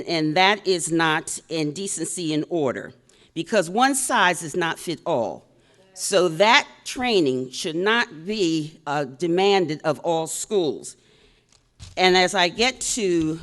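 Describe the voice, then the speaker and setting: A woman with a loud voice giving a forceful, insistent public comment at a school board meeting, pressing the board with pointed questions. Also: on the low side.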